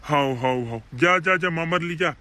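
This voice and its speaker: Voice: medium pitch, moderate pace, pushed and bright, dry recording, natural voice. An actor playing an older, neighbourly village man in a cartoon comedy, with a rural Madhya Pradesh tribal accent. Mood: neighbourly, grumbling.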